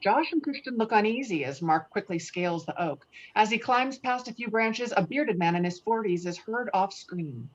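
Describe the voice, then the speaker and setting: A woman's voice: mid-range voice, expressive, moderate pace, hardly any pauses. A woman narrating the stage directions of a screenplay in an online table read, with muffled lo-fi sound. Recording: muffled lo-fi video call audio.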